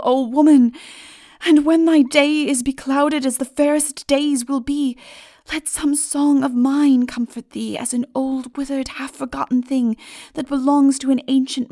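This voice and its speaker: A woman's voice: sits high, mellow, dry recording, studio quality, pitched above the performer's own voice. A woman voicing a humble, anguished young man in love, pleading in impassioned poetic phrases for a fantasy audiobook. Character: lovelorn young male hero, humble and anguished.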